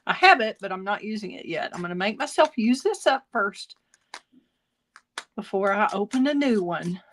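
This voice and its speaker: A woman's voice: mid-range voice, expressive, moderate pace, fairly bright tone. Woman showing how to make a card, casual and chatty, bit of a cough, faint hiss and clicks behind. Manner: chatty, self-correcting, laughs at own jokes. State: slight cough. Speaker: card-making instructor. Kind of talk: casual craft tutorial.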